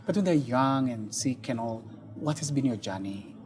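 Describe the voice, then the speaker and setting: A man from Kenya, hosting a TV interview and asking questions with shifting loudness. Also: medium pitch, animated, moderate pace. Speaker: TV show host.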